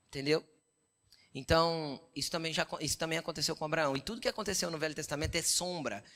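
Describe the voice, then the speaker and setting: A middle-aged Brazilian pastor preaching a sermon, telling personal stories and often checking that listeners follow. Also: male voice, fairly high pitch, fairly bright tone. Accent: Brazilian Portuguese. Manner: conversational preaching with frequent "entendeu?" check-ins; storytelling, quoting God and his wife in dialogue.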